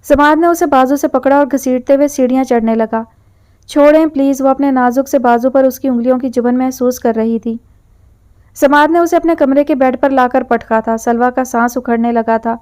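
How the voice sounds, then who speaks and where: A woman narrates a novel in a steady, even storytelling manner. Her voice sits high yet sounds mellow and dark, with a smooth, clean tone. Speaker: audiobook narrator. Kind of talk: scripted audio novel narration.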